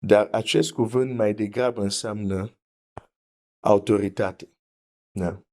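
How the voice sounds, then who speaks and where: A man's voice: lowish voice, fairly even intonation, darkish tone. A man preaching a teaching sermon, explaining carefully, repeating his points and reading scripture aloud.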